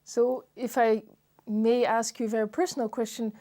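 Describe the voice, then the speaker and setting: Woman host with a mellow voice. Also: a little high, flat delivery, normal speed. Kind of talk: scripted introduction and interview questions.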